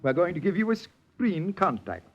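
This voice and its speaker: Pompous studio boss, big swoopy voice, kinda high, muffled old radio. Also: male voice, sing-song, moderate pace, a little hiss or hum. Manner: grandiose, flustered. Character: pompous excitable middle-aged male studio boss.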